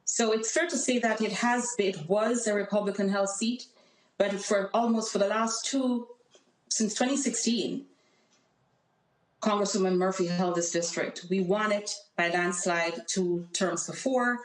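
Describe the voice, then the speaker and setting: A woman's voice: medium pitch, unhurried, reverberant, poor audio. A woman with a Jamaican accent, a political candidate speaking earnestly and emphatically as a guest on a remote call. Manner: earnest, emphatic campaign talk. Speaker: congressional candidate. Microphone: call audio.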